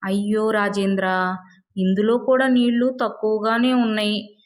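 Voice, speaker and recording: A woman's voice: medium pitch, flat delivery, unhurried, lightly acted. A woman voicing a considerate young male elephant in a children's story, earnest, agreeable and concerned.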